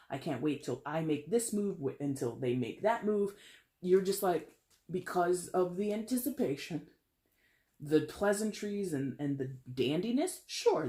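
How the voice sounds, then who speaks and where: A woman with a fairly deep voice giving a casual, animated tarot reading, often trailing off mid-phrase. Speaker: tarot reader.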